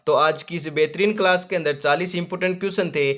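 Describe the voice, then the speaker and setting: A young male teacher runs through exam quiz questions with a slightly high voice. He reads out each option and then repeats the correct answer with emphasis. He talks to his viewers as friends and keeps a steady, insistent teaching rhythm. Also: fast talker.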